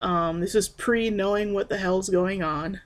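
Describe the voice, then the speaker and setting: A young trans man rambling in a personal video diary, hesitant and soft-spoken with frequent pauses and restarts. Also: sits high, steady tone. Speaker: vlogger.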